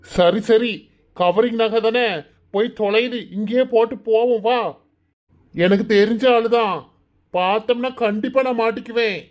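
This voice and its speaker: A man voicing a nervous male jewel thief in a cartoon, talking in a hurried rush with a Kanyakumari Tamil accent. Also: very high-pitched. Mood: panicky. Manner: hurried, anxious, rapid.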